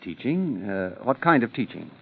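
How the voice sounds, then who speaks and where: A man's voice: fairly low pitch, sing-song, normal speed, creaky, breathy edge. A man hosting a 1930s radio program, narrating oddities and interviewing a guest in a formal, showman-like announcer style. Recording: muffled 1930s radio recording with music.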